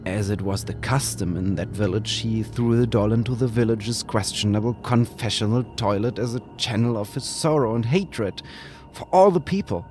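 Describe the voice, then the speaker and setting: A man whose first language is German, slowly reading a scripted horror story with deliberate, dramatic pauses. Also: fairly low pitch, darkish tone. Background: music.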